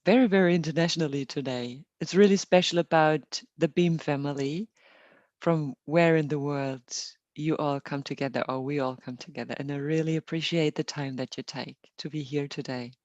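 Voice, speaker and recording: A woman hosting an online meditation session, welcoming people in a gentle, unhurried and reassuring way. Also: deep voice, fairly even intonation, no room sound, highs cut off. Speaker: meditation host. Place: online group call.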